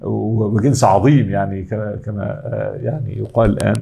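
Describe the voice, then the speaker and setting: A man's voice: on the low side, fairly even intonation, a little fast, vocal fry, dark tone, slightly rough. A middle-aged man with an Egyptian accent giving an academic lecture, explaining step by step and answering his own questions. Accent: Egyptian Arabic.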